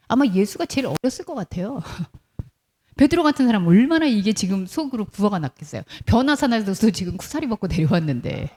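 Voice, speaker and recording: Lady pastor preaching, lively ups and downs, mellow husky voice, throws questions at the crowd. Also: a little high. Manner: animated storytelling, acts out quotes; asks the congregation questions. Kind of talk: sermon.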